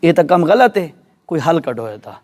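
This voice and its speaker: A man's voice: fairly high pitch, big pitch swings, a little mellow. A man voicing a sly devil who coaxes and tempts. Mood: scheming. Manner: coaxing, persuasive.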